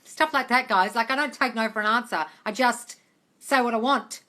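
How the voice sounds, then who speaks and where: A woman in her forties chats casually on a livestream, close to her phone. Her voice is very bright and a little high. She answers questions informally, speaking straight to her listeners with pet names. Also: moderate pace. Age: 40s. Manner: chatty, informal, calls listeners darling and guys. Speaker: manifestation coach hosting a live Q&A.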